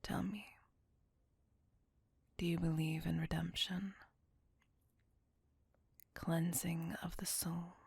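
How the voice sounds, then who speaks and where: A woman breathes life into an ancient, tormented vampire woman who never raises her voice above a whisper. Her low, gravelly hush is husky and breathy, brooding and possessive. Close and dry, it sits right at the listener's ear. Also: level tone, dry recording, exaggerated voice. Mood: brooding menace. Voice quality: whispered throughout. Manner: slow, brooding, intimate. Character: centuries-old female vampire, tormented and possessive. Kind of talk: ASMR audio roleplay.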